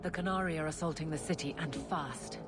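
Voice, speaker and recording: Actress as a low-voiced, stern guard captain. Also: female voice, fairly quick, music in the background, lightly acted. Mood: urgent, stern. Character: resolute, urgent female guard captain, dutiful and stern. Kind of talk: scripted fantasy game dialogue.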